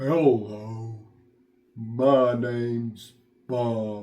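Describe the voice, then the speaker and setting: Using a guttural, put-on character voice at a medium pitch, a man speaks with an audible echo. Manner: slow, dopey.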